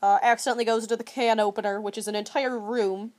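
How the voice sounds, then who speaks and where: A woman's voice: on the high side, fairly even intonation, fast. A woman co-hosting a podcast in casual chat, talking with wry, sarcastic asides. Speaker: podcast co-host.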